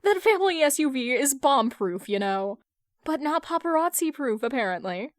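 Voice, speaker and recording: A woman's voice: high-pitched, sing-song, moderate pace, dry recording, studio quality, voice pushed up. A woman voicing a defensive, flustered forty-year-old man who protests and stammers in an audio fan fiction reading.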